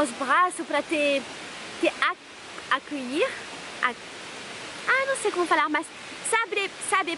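A young Frenchwoman vlogs outdoors beside a rushing waterfall, chatting casually to a camera set close up at a table. Her voice is high and animated, she gestures a lot with her hands, and she hunts for words in her second language while background noise carries through.

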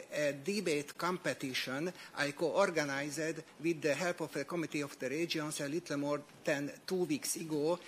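Earnest man with a higher voice. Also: fairly bright tone, a little hiss or hum. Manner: earnest, repeats words while reading. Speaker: speaker at a committee debate. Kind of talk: formal prepared statement.

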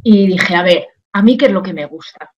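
A woman, a guest in a casual interview. She talks in an animated, chatty way with lots of fillers, over a video call from a home office. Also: lowish voice, moderate pace, dull audio. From Madrid, Spain. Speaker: guest, social selling expert. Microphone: video call webcam.

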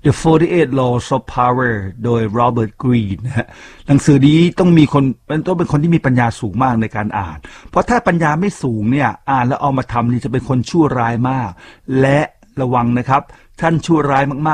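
A man's voice: on the high side, a little hiss or hum. A man hosting a radio talk show, talking chattily to his listeners with frequent asides. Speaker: radio host.

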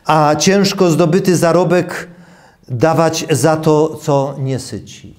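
A man in his sixties preaching a sermon and reading scripture in a deliberate, emphatic way, repeating key phrases. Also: a little high, steady tone, a little mellow. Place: small church room, at a lectern.

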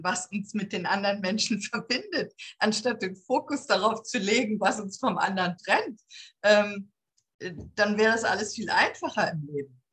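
A middle-aged woman hosting a podcast over a video call, chatty and lively in casual conversation. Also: mid-range voice. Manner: lively, chatty, laughs easily. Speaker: podcast host, lawyer. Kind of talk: casual interview chat. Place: home, indoors, green screen.

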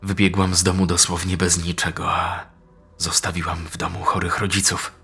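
A man's voice: deep voice, flat delivery, moderate pace, noisy background. A man doing a frightened young woman pleading. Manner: pleading, shaken. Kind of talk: audiobook character voice.

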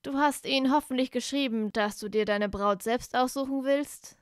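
A woman's voice: sits high, normal speed, clean tone, no room sound, studio quality, lightly acted. A woman reading aloud voices a loyal, hot-headed young male wizard who presses his friend urgently. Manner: urgent, pushy.

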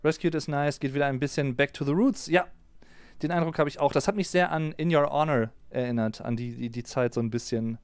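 Smooth-voiced man chatting on a live stream. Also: fairly high pitch, brisk, dry recording. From Germany. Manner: relaxed, chatty, reads out viewer comments. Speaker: streamer reading and answering live chat. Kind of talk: casual live-stream chat. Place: small home streaming room. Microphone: close desk mic on a boom arm.

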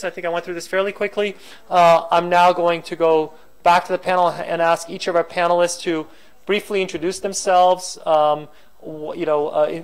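A man giving an informal slide talk from a podium microphone in a university lecture hall, before moderating a panel. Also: fairly high pitch. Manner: loose and informal, many fillers.

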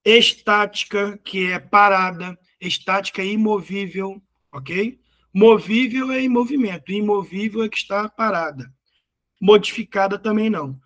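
A man with a rather high voice teaches at an unhurried pace. He goes through exam answers patiently, splitting words into syllables and repeating them. He often pauses to check whether the students are following. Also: a bit bright. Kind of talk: explaining exam questions.

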